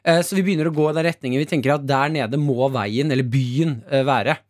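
A man with an Oslo Norwegian accent, co-hosting morning radio and telling an animated story full of acted quotes and laughter. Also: medium pitch, dry recording, studio quality. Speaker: radio co-host.

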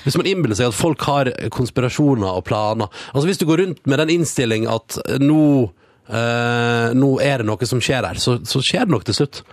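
A man from Norway hosting a radio morning show, animated and ranting in casual banter on a studio mic. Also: mid-range voice, dry recording.

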